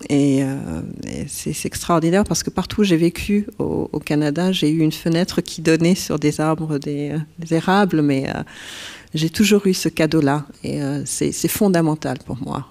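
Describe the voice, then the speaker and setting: Gravelly-voiced Burundian woman, hesitant. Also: low-pitched, moderate pace, warm tone. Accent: Burundian French. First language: Kirundi. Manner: hesitant, many fillers and restarts. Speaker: poet, interview guest. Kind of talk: reflective literary interview. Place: stage at a poetry house.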